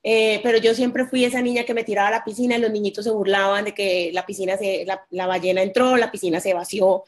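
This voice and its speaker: A woman's voice: mid-range voice, steady tone, fast. A woman in her forties from Colombia, a guest in an interview, telling her personal story candidly.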